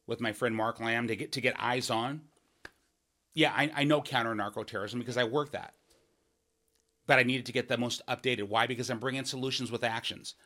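Bright and forceful, with a mid-range voice, a Washington State candidate delivers a podcast monologue about his policy plans. He comes across as earnest and emphatic, frequently starting phrases over and slipping in "right?"

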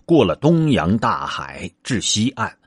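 Male storyteller, slow, husky, lively pitch, hesitant fillers, classic tale. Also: dry recording, clean studio sound. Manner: measured, with frequent hesitant fillers.

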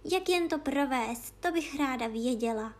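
A woman voicing a polite young girl in a storybook reading, with a raised, drawn-out, indignant girlish voice. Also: high-pitched, expressive. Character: young girl, polite but easily offended.

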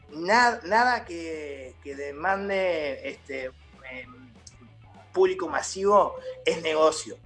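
Hesitant Uruguayan man, slightly high voice. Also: fairly bright tone. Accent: Uruguayan Spanish. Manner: hesitant, many fillers and restarts. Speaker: theatre company founder, guest. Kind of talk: casual interview chat.

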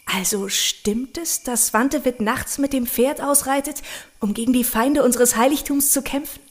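A woman's voice: high voice, normal speed. An actress playing a devout, curious young woman in love in an audio drama. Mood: awed. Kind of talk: German audio drama acting.

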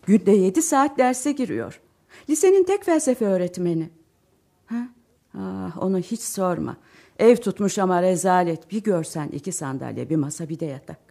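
A fretful, warm-hearted middle-aged mother in a radio drama. She talks chattily and emotionally, swinging between sighs and outbursts. Her pitch moves in wide, lively sweeps. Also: moderate pace, creaky. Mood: worried.

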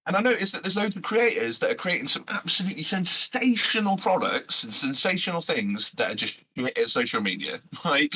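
Man, loud brash voice, bright and forceful, husky edge, podcast guest. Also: on the low side, poor audio. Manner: animated, swears freely, many fillers. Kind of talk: passionate casual chat.

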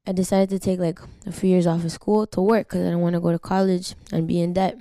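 Low creaky young woman, Spanish first language. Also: level tone, fast talker, dark tone, dry recording, clean studio sound. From Canada. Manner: candid, slangy and swearing freely. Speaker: guest singer. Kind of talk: casual interview talk.

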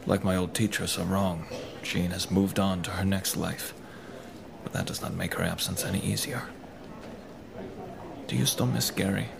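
A man playing a calm, principled pulp superhero in a radio drama, measured and gently wry. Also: sits low, vocal fry, noisy background. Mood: reflective. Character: calm, principled male pulp superhero, Buddhist crime fighter.

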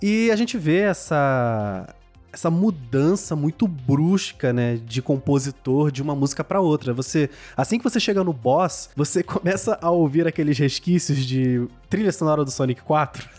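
A Brazilian man in a casual game review chat, expressive and slangy, stretching words for emphasis. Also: on the high side, moderate pace, soft background music.

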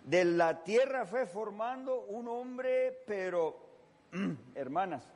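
A man's voice: high-pitched, lively intonation, takes it slowly, darkish tone, slight background noise. A man preaching a sermon, telling stories with acted voices and playful asides. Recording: long reverb of a large hall.

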